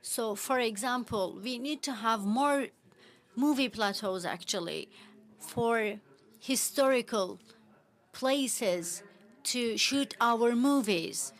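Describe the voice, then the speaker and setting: A woman giving a simultaneous interpretation of a panel talk in a measured, halting way, with frequent filler words. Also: fairly high pitch.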